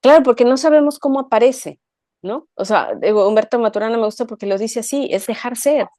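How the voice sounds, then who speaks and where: A woman with a mellow, warm tone talks reflectively on a talk show, often checking in with a little questioning tag. The sound is close and dry, with no room around it. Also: a little high, a little fast, no room sound. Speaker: co-host. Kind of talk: conversational talk show discussion.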